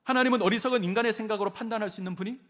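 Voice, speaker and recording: A man's voice: high-pitched, racing, a bit bright. A man, a pastor, preaching a sermon and acting out quoted speech with rising emphasis.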